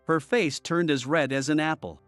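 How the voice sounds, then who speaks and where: A man narrating a first-person story in a steady, even storytelling manner. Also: fairly high pitch, normal speed, no room sound. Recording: soft music bed under voice.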